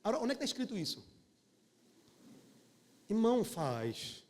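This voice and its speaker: A male pastor preaching a live sermon in a church, telling stories and calling out to the congregation in a folksy, animated way. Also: sits high, normal speed.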